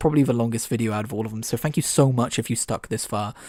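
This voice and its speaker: His pace is very fast. The speaker is a man with a medium pitch. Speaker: book youtuber. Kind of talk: casual vlog talk. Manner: hesitant, filler-heavy.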